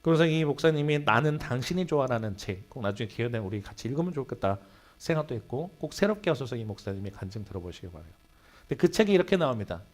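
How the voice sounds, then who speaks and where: Guy preaching sunday sermon in church, voice jumps up and down a lot, goes loud then real quiet. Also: medium pitch, fast. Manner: animated storytelling, swinging between loud and hushed. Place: church sanctuary.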